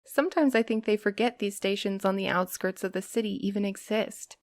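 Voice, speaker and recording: A woman's voice: mid-range voice, brisk, no room sound, clean studio sound, lightly acted. A woman playing a sweet, earnest, easily flustered young courier in an audio drama. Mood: chatty. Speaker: voice actor.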